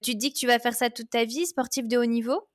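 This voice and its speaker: A woman's voice: a little high, steady tone, fast talker, dry recording, studio quality. A woman hosting a podcast, reading a scripted intro and asking interview questions with an upbeat manner. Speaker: podcast host.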